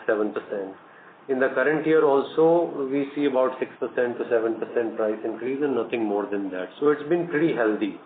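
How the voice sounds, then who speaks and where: Echoey phone-line Indian man, halting executive. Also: mid-range voice. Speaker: company executive. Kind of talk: answering questions on an earnings call. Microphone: conference phone call. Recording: echoey tinny conference phone line, noisy.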